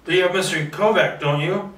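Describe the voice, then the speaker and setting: A polite, persistent male visitor as a man reads him in a screenplay read. He is firm and probing, with a bright, slightly high voice in a roomy space. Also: a little fast. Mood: polite, curious. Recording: roomy, distant microphone.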